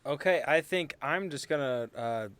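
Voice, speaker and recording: A man's voice: on the high side, animated, normal speed, a bit bright, smooth, no room sound. A man talking casually as a player in a tabletop game, in a tentative, roundabout way.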